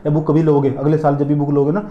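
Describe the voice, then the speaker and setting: A man lecturing a physics class at a rapid clip, his voice sitting a little high. He keeps repeating himself and firing questions, then answering them. The sound is dull and lo-fi, bouncing around a roomy classroom. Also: little pitch movement, mellow, a little hiss or hum. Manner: repetitive, drilling questions to students. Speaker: physics teacher.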